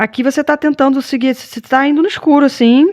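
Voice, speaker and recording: Animated, fairly quick speech with a dry, close sound and no echo. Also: woman. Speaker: tarot reader. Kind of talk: tarot reading video. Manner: fast; casual, animated.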